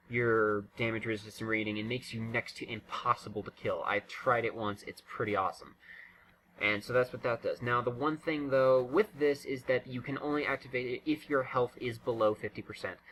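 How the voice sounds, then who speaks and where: A man's voice: mid-range voice, sharp tone, slight background noise, rough recording. A man giving casual, unscripted game commentary in a rambling, self-interrupting way. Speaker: gaming video creator.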